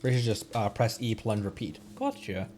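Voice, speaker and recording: A man's voice: on the low side, fairly even intonation, normal speed, a little mellow, slight background noise. A man giving casual, rambling gameplay commentary as a livestreamer, thinking aloud and often questioning himself. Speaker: game livestreamer. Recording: game music behind the voice. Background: video game music.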